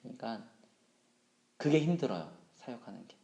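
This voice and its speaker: A man in his thirties, a junior pastor teaching a Bible study, animated and joking about himself. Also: normal speed, creaky, reverberant, highs cut off. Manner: animated, acts out scolding and quoted voices with big pitch jumps; humorous, self-deprecating asides.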